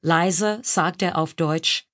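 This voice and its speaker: A woman's voice: fairly low pitch, steady tone, slow, a bit bright. A woman with an American accent, a native English speaker, reading her own humorous memoir in German and mixing in English phrases. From United States. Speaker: author narrating her own audiobook.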